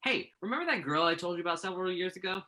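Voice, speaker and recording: Wry, bright-voiced, very animated young journalist played by a man. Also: sits high, racing. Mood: sheepish. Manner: wry, sarcastic, protesting. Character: exasperated, principled young male entertainment journalist. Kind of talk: virtual staged play reading, naturalistic dialogue.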